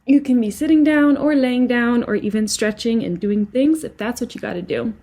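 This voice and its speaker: A woman leading a guided relaxation as a meditation teacher, speaking gently and soothingly with unhurried phrasing and long pauses. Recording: lower-quality microphone.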